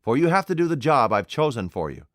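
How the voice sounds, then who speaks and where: A man's voice: medium pitch, big pitch swings, quick pace, no room sound, clean studio sound, voice pushed up, lightly acted. A man voicing an invisible man in an audiobook, speaking in a curt, imperious, cold way. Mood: intense. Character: commanding, desperate invisible man, adult male. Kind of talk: audiobook character voice.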